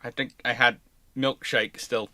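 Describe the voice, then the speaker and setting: A man's voice: mid-range voice, flat delivery, unhurried, pushed and bright, dry recording. A man hosting a livestream in casual chat, rambling and repeating himself as he goes. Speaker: livestream host.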